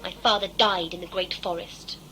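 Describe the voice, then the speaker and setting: A woman's voice: fairly low pitch, steady tone, moderate pace, bright, forceful tone, slight background noise, poor audio. An actress playing a proud, condemned young tribal woman in a sci-fi audio play, intense, formal and defiant. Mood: grim, resigned.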